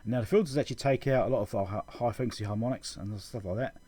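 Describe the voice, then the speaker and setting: A man giving an informal technical explanation as a channel host, halting and correcting himself as he thinks aloud. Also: mid-range voice, dark tone, breathy edge, no room sound. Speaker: electronics repair channel host.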